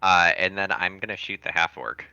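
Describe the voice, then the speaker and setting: A man talks casually as a tabletop gamer. His voice is low-pitched with a hard, tense edge. The recording is dry and lo-fi. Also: moderate pace, creaky, pushed and bright, clear, resonant tone, no echo, soft background music. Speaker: tabletop game player. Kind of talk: casual game chat.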